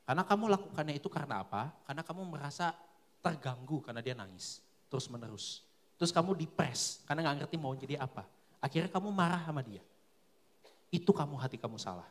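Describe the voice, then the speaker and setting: A man voicing God as a calm male figure who gently corrects him, speaking softly and lower than usual. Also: a little fast, natural voice. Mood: gentle rebuke.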